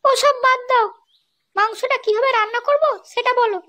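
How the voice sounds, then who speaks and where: A performer voicing a sharp-tongued young wife in a comedy cartoon, crude and taunting, with a West Bengal accent and a pitched-up voice. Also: normal speed, a little hiss or hum. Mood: scornful nagging. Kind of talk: amateur comedy cartoon dialogue.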